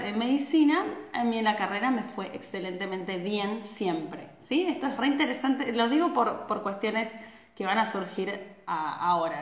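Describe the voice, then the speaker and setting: A woman in her thirties with an Argentine Spanish accent talks to viewers in a chatty live stream, tossing in constant tag questions as she gestures. Her pitch sits in a middle range for a woman. The phone at arm's length picks up a small room with a noticeable echo. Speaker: Ayurveda doctor hosting a live stream. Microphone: phone camera at arm's length. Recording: echoey room.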